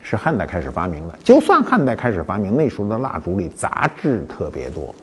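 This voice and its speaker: A man's voice: lowish voice, huge pitch swings, fairly quick, a little mellow, slightly rough, in a large hall. An older man, hosting a casual talk on antiques with wry, storytelling asides. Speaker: host of a web talk show. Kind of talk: casual spoken lecture on antiques.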